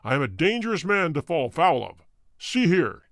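A man's voice: on the high side, big pitch swings, a little slow, no echo, studio quality. A man doing a furious, snarling old bully doctor. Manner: snarling, furious, shouting threats. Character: huge fierce old male country doctor, menacing bully.

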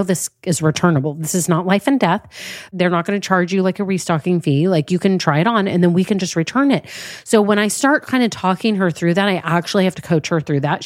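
A woman's voice: lowish voice, a little mellow, no room sound, studio quality. A middle-aged woman, hosting a solo business podcast with a stuffy, nasal voice and an upbeat, chatty manner. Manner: upbeat, chatty, lots of y'all. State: stuffy nose. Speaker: podcast host and business coach.

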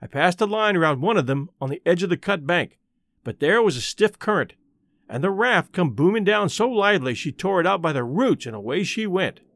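A folksy boy from the played by a man tells his story in plain colloquial words. The voice is fairly high, animated in pitch and recorded very dry, in audiobook style. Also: a little fast, no echo. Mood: matter-of-fact. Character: Huck, a folksy, matter-of-fact adolescent Southern boy narrator. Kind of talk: first-person audiobook narration.

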